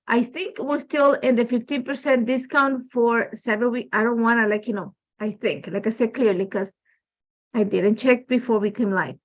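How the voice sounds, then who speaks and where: A woman's voice: a little high, moderate pace, highs cut off. A woman from Ecuador whose first language is Spanish, speaking English with an Ecuadorian Spanish accent as she hosts a live crafting demo from home, chatty and rambling with many "like, you know" fillers. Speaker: design team member hosting a live crafting demo. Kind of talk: casual live-stream chat.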